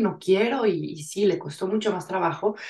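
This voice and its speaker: A woman's voice at a medium pitch. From Mexico. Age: 40s. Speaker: emigrant mother. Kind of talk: interview. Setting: video call.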